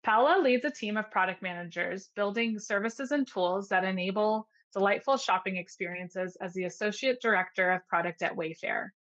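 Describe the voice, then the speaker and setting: A woman's voice: mid-range voice, normal speed, hardly any pauses, fairly bright tone, dull audio. A woman hosting a conference session, reading scripted speaker introductions in a formal manner. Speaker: session host.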